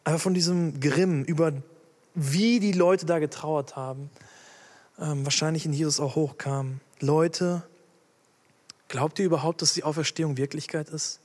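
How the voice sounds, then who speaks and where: A man delivers an emphatic sermon in a fairly high voice, turning to his listeners with direct questions. His words ring out with a long reverb, as in a large hall. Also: fairly even intonation, moderate pace, a little mellow. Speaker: preacher.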